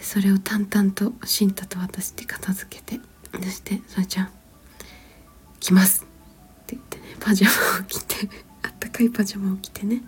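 A mother in her thirties whispers a long, rambling story in a mid-range voice with a breathy edge, gentle throughout and sprinkled with small fillers and soft laughs.

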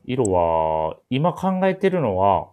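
Very low-pitched man, polite radio chat. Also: sing-song, slow, dull audio. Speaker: host of a menswear shop radio show. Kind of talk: casual radio-style talk introducing clothes.

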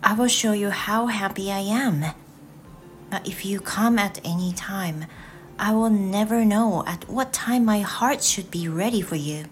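A woman reading as a gentle wise fox, Japanese accent. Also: mid-range voice, measured pace, a little hiss or hum, close to an everyday voice. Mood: tender.

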